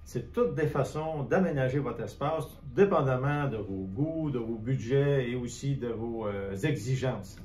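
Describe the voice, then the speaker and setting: A man's voice: mid-range voice, lively intonation, unhurried, few pauses, a little mellow. A man with a Quebec French accent hosting a conversational interview, recapping and checking with short questions. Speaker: host, renovation contractor interviewing a guest. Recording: roomy echo, noticeable background noise.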